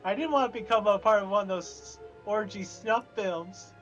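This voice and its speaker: A man's voice: sits high, moderate pace, fairly bright tone, dull audio, faint music behind. A man on a comedy podcast, reading script lines and throwing in joking interjections. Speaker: podcast cast member.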